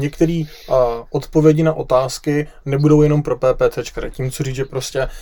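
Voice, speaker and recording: In a somewhat breathy voice, a man talks at a moderate pace. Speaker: podcast host. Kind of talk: casual interview. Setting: remote recording.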